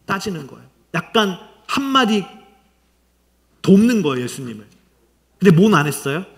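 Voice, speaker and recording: A man's voice: high voice, very animated, normal speed, vocal fry. A male pastor preaching a sermon, telling the story with animation and acting out the quoted lines. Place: large conference hall. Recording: long hall reverb.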